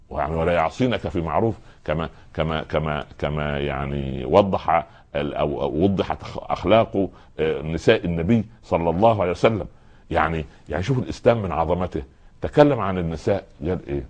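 A man's voice: deep voice, darkish tone. A man preaching a sermon, earnestly admonishing his listeners and addressing them directly.

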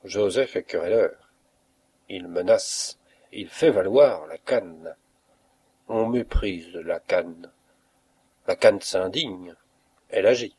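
A man reading a classic novel aloud, slow and measured with a husky, low voice. His narration is expressive, leaning into the scenes. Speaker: audiobook reader. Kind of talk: literary audiobook narration.

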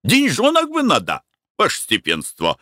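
A man reading aloud, voicing a good-natured male peasant barge worker who pleads deferentially and gently for his pay. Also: fairly high pitch, wildly swooping pitch, normal speed, no echo, clean studio sound, voice pushed up, heavily acted. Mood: pleading.

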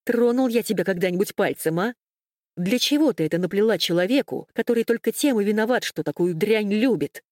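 A woman's voice: mid-range voice, expressive, a little fast, darkish tone, no echo, clean studio sound, voice pushed up, close to an everyday voice. A woman voicing a stern, scornful young man who berates and threatens in a commanding tone. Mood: angry. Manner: harsh, commanding, contemptuous.

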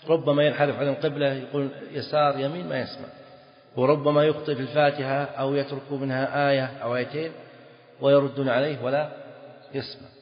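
A man's voice: mid-range voice, little pitch movement, fast. Male scholar, repetitive teaching lecture, dull recording with long reverb. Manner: explanatory, quizzes students, repeats phrases. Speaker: Islamic scholar teaching fiqh. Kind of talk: classroom lecture on a text. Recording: dull lo-fi audio in a reverberant hall.

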